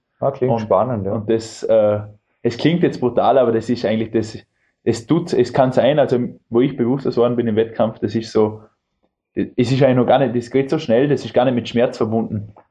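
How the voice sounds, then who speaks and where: Speaking fairly quickly, a man has a medium-pitched, dark, mellow voice that is somewhat breathy. His intonation is fairly even, broken by long, frequent pauses. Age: 20s. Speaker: judo athlete. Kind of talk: interview.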